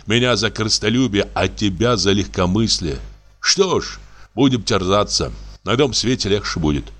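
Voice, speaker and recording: A man's voice: fairly low pitch, lively intonation, normal speed, fairly bright tone. A man voicing a self-pitying, lamenting spendthrift who calls himself a scoundrel, in an audiobook reading.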